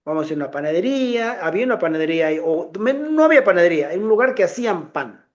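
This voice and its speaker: A middle-aged man speaks to a congregation in an informal, testimony-like way. His voice sits high for a man, and he tells the story with animation, acting out the voices of the people in it. It sounds like a lay ministry talk rather than a prepared sermon. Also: very animated, rapid-fire.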